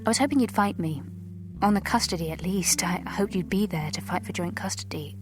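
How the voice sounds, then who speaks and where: A woman playing a hurt, dignified, newly divorced wife, reading a letter in an audio drama in measured, formal short phrases. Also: lowish voice, music in the background, close to an everyday voice. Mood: hurt, firm.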